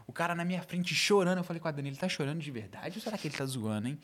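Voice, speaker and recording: A man, a videomaker guest, telling animated stories in a casual podcast chat and swearing casually. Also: on the high side, racing.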